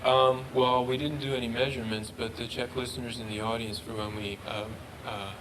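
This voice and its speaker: A man presenting research and answering questions, halting and often repeating words. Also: mid-range voice, little pitch movement. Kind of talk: research talk Q&A. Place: lecture room. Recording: noisy room recording.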